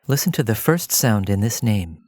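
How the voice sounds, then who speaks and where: A man narrating a scripted language lesson as a teacher, explaining in a measured way and addressing the listener directly. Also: on the low side, expressive, darkish tone, dry recording, studio quality.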